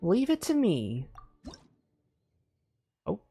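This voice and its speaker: A game streamer talking slowly over the game's background music. They ramble and chuckle in a relaxed mid-pitched voice. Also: breathy edge. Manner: rambling, laughing. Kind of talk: casual gameplay commentary.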